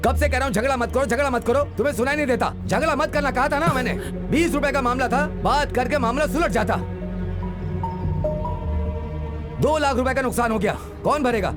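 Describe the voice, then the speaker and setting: An actor dubbing an exasperated village elder who scolds fighting youths in a fast, nagging way. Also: male voice, extremely high pitch, music in the background. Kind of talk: Hindi film dub.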